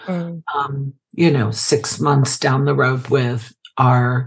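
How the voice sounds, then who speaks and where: The pace is very slow and the voice somewhat breathy. Intonation stays fairly even. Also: woman. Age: 60s. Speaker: life coach and institute founder. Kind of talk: casual chat.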